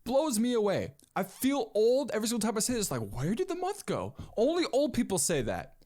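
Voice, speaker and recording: Here a twenty-something guy talks a bit quickly in a high-pitched voice. He's the solo host of a laid-back podcast, wandering from point to point with lots of energy and a constant stream of "dude."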